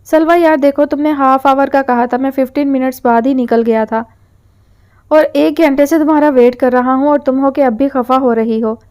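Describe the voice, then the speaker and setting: A woman's voice: high-pitched, fairly even intonation, darkish tone, natural voice. A woman voicing a hot-tempered rich young man who teases and then gives curt orders, in a novel reading. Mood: coaxing. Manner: teasing, then curt and commanding.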